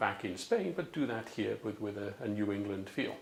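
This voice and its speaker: In a Welsh accent, a man talks at a medium pitch and moderate pace with ordinary pitch variation. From Wales, Cardiff. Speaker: inn owner, former tech executive. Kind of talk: interview. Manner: hesitant, many fillers.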